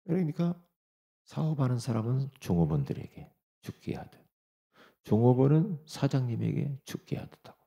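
A middle-aged man preaches to his congregation with a gravelly, dark tone. His pitch moves a great deal, and he shifts from quiet asides to loud, pressing exhortation. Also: moderate pace, dull audio. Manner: animated, swings between soft asides and loud exhortation. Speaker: pastor. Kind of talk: sermon.

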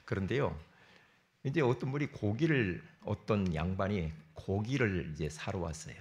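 A middle-aged man preaching a sermon to his congregation. He swings between loud emphatic bursts and low asides. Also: expressive, moderate pace. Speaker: pastor.

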